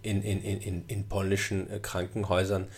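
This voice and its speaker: A man with a fairly low voice, speaking as a guest in a discussion. He explains patiently and at length, stalling on repeated words and fillers while he builds his point. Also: completely flat delivery, brisk. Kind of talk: explanatory conversation.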